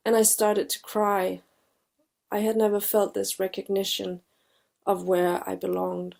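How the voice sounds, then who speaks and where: Woman in her 40s reading her own story, really gravelly creaky voice, dark and flat. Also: medium pitch, unhurried. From Denmark. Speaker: film director giving a recorded forum talk. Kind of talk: prepared personal testimony. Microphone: video presentation.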